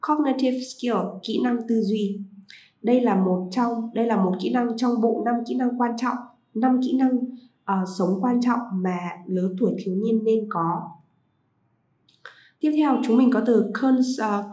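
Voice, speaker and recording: High-voiced woman teaching vocabulary. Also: mellow, reverberant, rough recording. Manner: repeats each English word slowly, then explains. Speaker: English teacher. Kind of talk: vocabulary lesson for pupils.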